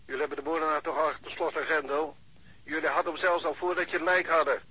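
Muffled phone, pompous raspy police chief. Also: male voice, a little high, fairly even intonation, quick pace. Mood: brusque, self-important. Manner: self-important, formal, officious. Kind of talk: Dutch radio drama acting. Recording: muffled band-limited phone line.

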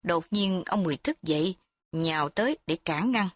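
A woman narrating a dramatic story in a steady reading voice. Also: lowish voice, normal speed, husky, no echo, clean studio sound.

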